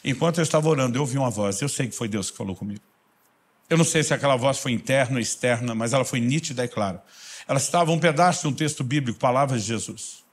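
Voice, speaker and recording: A man with a Brazilian Portuguese accent, preaching a storytelling sermon that swings between loud bursts and hushed intensity. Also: mid-range voice, quick pace, breathy edge. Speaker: pastor.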